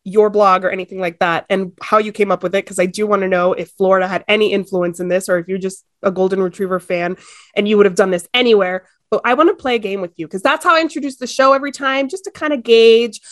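A woman's voice: medium pitch, steady tone, quick pace, dry recording, studio quality. A woman in her thirties, born in Ecuador, hosting a podcast in a chatty, bubbly way. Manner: bubbly, chatty, laughs easily. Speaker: podcast host. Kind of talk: casual chat.

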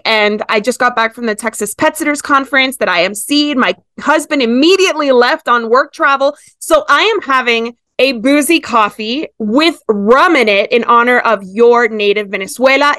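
A woman's voice: on the high side, bright, forceful tone, no room sound. Dry-sounding chatty woman host. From Ecuador. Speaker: podcast host. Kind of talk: casual chat.

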